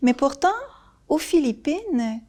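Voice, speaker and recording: A woman, interviewing a guest and gently prompting her with short questions. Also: sits high, expressive, slow pace. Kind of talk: conversational interview.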